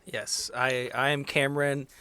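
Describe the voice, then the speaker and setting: A man's voice: medium pitch, little pitch movement, unhurried, pushed and bright, smooth, no echo. A man on a podcast, bantering casually as one of the players.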